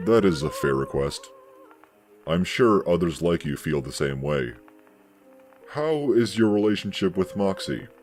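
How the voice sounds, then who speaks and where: A man puts on a character voice with a very deep, low pitch. He keeps a moderate pace as faint music plays in the background. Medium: audio drama. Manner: formal, polite.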